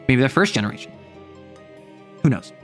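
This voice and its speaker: A man's voice: mid-range voice, very animated, moderate pace, faint music behind. An American man, a young adult, chatting casually on a livestream in a rambling, self-interrupting, wry way. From United States. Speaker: streamer.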